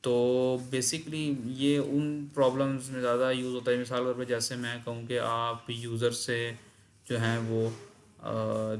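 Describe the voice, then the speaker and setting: A man's voice: medium pitch, a bit bright. A man teaching a programming lesson, reading textbook lines in English and explaining them, repeating the key points.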